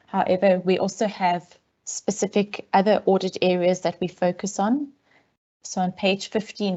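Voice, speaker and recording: A woman auditor, heard over a video call line, gives a measured, businesslike briefing to a council committee, with frequent ums. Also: on the low side, a little mellow. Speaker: external auditor presenting a report. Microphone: remote call audio. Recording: dull, lo-fi call audio.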